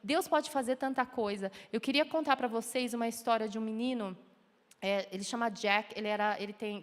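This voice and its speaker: A woman preaching a sermon in Brazilian Portuguese, telling a story and acting out the voices in it. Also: a little high. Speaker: preacher and children's Bible teacher. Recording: church hall with long reverb.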